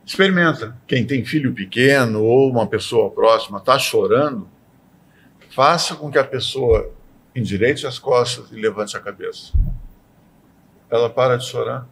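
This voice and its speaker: A man in a podcast discussion who explains ideas with lively acted-out examples. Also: mid-range voice, normal speed, slight background noise. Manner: animated, acts out everyday sayings in quoted voices. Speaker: podcast panelist.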